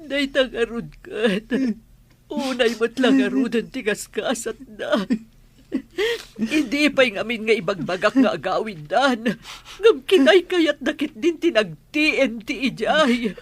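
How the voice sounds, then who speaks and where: A woman playing a caring, sorrowful old grandmother in an audio drama, with a husky, gentle, plaintive delivery. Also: a little high, animated, unhurried. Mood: worried. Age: older. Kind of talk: Ilocano radio-style drama acting.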